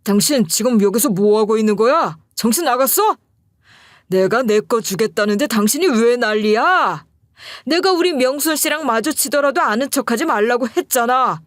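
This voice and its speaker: A woman voicing a brazen middle-aged man who shouts defiantly at his wife. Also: fairly high pitch, expressive, normal speed, no room sound, studio quality, voice pushed up, lightly acted.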